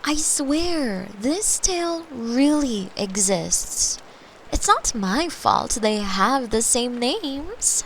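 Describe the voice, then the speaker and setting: A caring young girlfriend, acted by a woman, murmurs close to the mic in an ASMR bedtime roleplay. Her voice sits a little high and moves at a very slow, soothing pace, playful and tender, dipping into whispers. There is audible noise behind her. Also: very animated, exaggerated voice, low-quality recording. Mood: teasing. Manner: gentle, soothing, teasing, unhurried, slipping into whispers. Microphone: close microphone, made for headphones.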